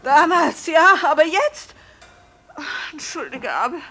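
A woman playing an anguished, guilt-haunted innkeeper's wife in a radio play, brooding and pious, halting and breathy. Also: high voice, animated, pushed and bright, heavily acted. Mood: anxious, despairing. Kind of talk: German radio play acting.

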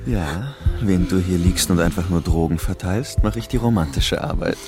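A smugly romantic young man played by an actor in a radio play. His voice is deep and teasing, conversational in delivery, with loud music behind it. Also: moderate pace, close to an everyday voice.

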